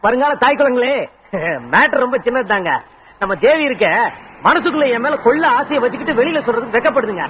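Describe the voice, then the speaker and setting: An actor playing a brash young man who woos a woman with fast, pleading, comic boasting, on a dull old film soundtrack. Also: very high-pitched, background noise. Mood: boastful. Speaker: suitor. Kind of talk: Tamil film dialogue.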